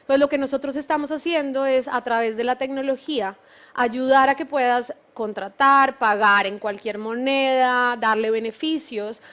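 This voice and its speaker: A woman's voice: sits high, fairly even intonation, normal speed, a bit bright. A Colombian woman in her thirties with a Bogotá accent, explaining her company fluently as a panel guest. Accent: Bogotá Colombian Spanish. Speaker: panelist, tech company manager. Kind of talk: panel conversation.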